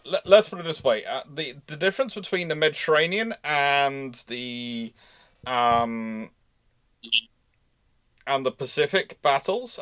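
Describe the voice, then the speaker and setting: A man hosting a live history talk, explaining off the cuff in a halting way, repeating and rephrasing for emphasis. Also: medium pitch, fairly bright tone, no room sound. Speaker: host answering naval history questions.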